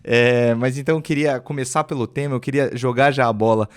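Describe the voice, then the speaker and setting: A man's voice: medium pitch, steady tone, brisk, clear, resonant tone. Podcast host guy, upbeat and chatty, normal mid voice, keeps the convo moving. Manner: upbeat, conversational, leading the talk. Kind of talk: podcast hosting and interviewing.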